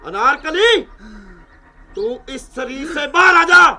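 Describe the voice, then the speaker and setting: An actor playing a pompous exorcist who thunders threats at an evil spirit in a blustering, theatrical way. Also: male voice, very high-pitched, expressive, slow pace, bright, forceful tone, exaggerated voice.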